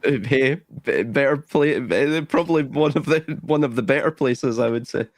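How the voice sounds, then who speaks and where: A man's voice: mid-range voice, moderate pace, no room sound, clean studio sound. A man from Scotland with an Edinburgh accent, chatting casually as a stream host and often restarting his phrases. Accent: Edinburgh Scottish. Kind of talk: casual chat.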